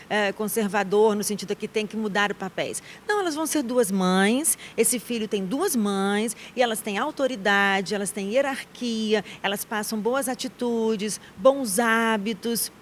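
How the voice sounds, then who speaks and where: A woman's voice: medium pitch, slight background noise. A Brazilian woman journalist in her thirties, a guest in a TV studio interview, talking firmly and emphatically. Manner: firm, emphatic, outspoken.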